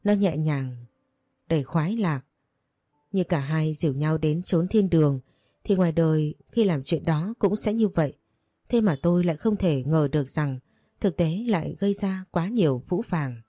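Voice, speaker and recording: A woman reading a dramatic first-person story aloud in a steady, unhurried narrating voice. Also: deep voice, no room sound, studio quality.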